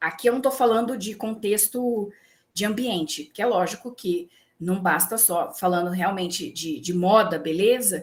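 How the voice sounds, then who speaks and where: A woman's ordinary speaking voice, medium in pitch with ordinary pitch variation, at a fairly slow pace on a very clean recording with a silent background. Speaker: image and style consultant giving a talk. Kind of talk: lecture. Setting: talk to a company team.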